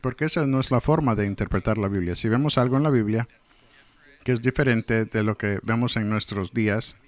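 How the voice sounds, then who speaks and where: A man's voice: on the low side, fairly quick, no echo. Earnest male preacher, dry close sound. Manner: earnest, explanatory, reads scripture then comments. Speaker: Spanish translator of a pastor's sermon. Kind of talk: verse-by-verse sermon teaching.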